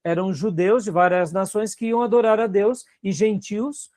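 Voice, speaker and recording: A man's voice: high-pitched, steady tone, normal speed, darkish tone, dry recording, clean studio sound. A man with a Brazilian Portuguese accent, a pastor teaching a seminary class in a conversational way and often checking in with his students. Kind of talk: classroom Bible lecture.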